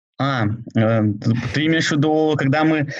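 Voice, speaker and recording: With a normal amount of pitch movement, a man talks in a slightly breathy way. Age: 30s. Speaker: club press officer. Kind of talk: casual interview. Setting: video call.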